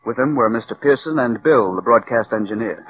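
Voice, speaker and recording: An actor playing a calm, scheming writer who narrates his own murder plot in a 1940s radio drama. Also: medium pitch, a little hiss or hum, natural voice. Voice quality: measured, cool narration. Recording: dull old radio broadcast recording.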